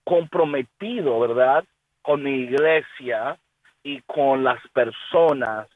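A man's voice: mid-range voice, slow pace, narrow, tinny audio. A man from the United States, a pastor, talking earnestly in a faith interview and dropping English words into his speech. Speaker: pastor and guest.

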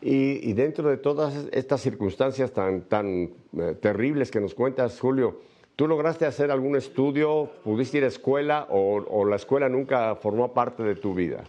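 A man interviewing a guest, attentive and prompting him gently with questions and short affirmations. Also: medium pitch, moderate pace. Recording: dull lo-fi sound.

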